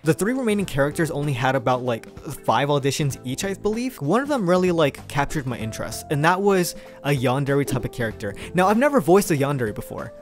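A young man, a video creator and amateur voice actor, tells a casual storytime in a chatty, slangy, rambling way. His voice is fairly high and fairly quick, with hardly any pauses, and soft music plays in the background. He sounds animated and chuckles as he rambles informally.

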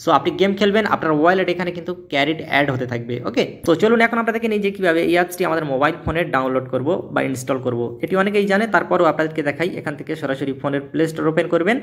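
A man voices over a phone tutorial at a very rapid clip. His voice sits a little high for a man. He explains each step emphatically, repeating himself like a keen salesman and dropping in English words. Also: lively intonation. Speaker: tech tutorial YouTuber. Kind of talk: tutorial voice-over for a screen recording.

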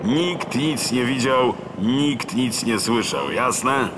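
A man voicing a burly, hoarse government agent in an audiobook, giving authoritative orders through a megaphone. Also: medium pitch, lively intonation, slow pace, background noise, voice pushed up. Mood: menacing. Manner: barking, authoritative. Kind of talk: audiobook character voice.

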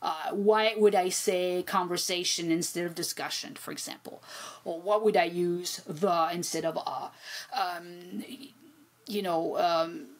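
A woman's voice: lowish voice, a little slow. A middle-aged woman whose first language is French, talking animatedly as a guest over a video call from home. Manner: animated, expressive, repeats words when excited. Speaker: guest, poet and translator. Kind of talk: casual conversational interview. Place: home room with bookshelves.

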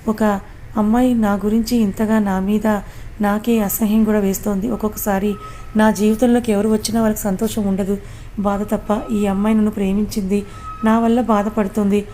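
Woman reading lines of a hot-tempered young man, blunt, mellow flat voice, read-aloud story. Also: mid-range voice, brisk, faint music behind, natural voice. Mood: sad. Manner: angry, blunt scolding.

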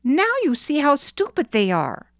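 Woman playing cocky, high-voiced young boy. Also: huge pitch swings, a little slow, dry recording, clean studio sound, heavily acted. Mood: boastful. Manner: lofty, eager, chatty.

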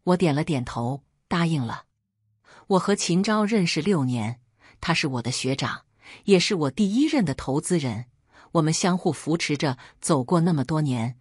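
A woman reads a first-person story in an even, measured way. Her voice is low and slightly husky, and the recording is close and dry. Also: no echo. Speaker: narrator.

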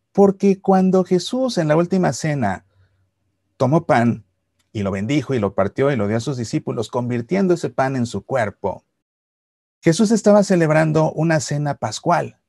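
Man, middle-aged, Catholic YouTuber, patient storyteller, slight fry. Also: medium pitch, no echo, clean studio sound. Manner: warm explanatory storytelling, slows for solemn lines. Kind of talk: reflective religious talk to camera. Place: Seattle archdiocese series.

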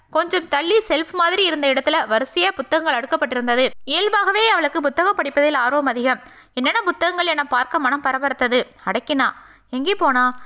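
A woman narrates a romance audio novel in a steady, expressive reading. Her voice sits high and sounds bright and crisp. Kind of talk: scripted narration.

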